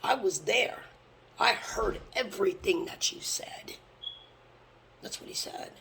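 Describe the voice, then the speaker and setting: A fervent religious teacher preaching from scripture, blunt and sometimes swearing, often dropping into a hushed whisper. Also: medium pitch, animated, slow pace, creaky, rough recording.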